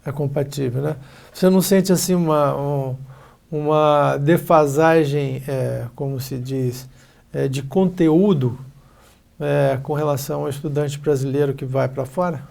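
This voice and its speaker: TV host, interviewer, gravelly voice, mellow dark tone, measured questions, gentle prompting. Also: medium pitch.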